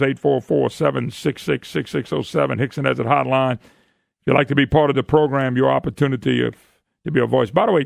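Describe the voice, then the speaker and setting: A man's voice: medium pitch, vocal fry, dry recording, studio quality. A man hosting a political call-in radio show, folksy and emphatic, firing off rhetorical questions. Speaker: radio talk show host. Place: radio studio.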